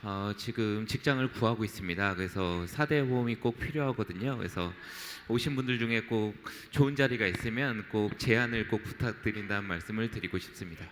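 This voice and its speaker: A man speaking on a panel in a halting way, ending with a joking request. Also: fairly low pitch, fairly bright tone, a little hiss or hum. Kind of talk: panel self-introduction. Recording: reverberant hall, faint ambience.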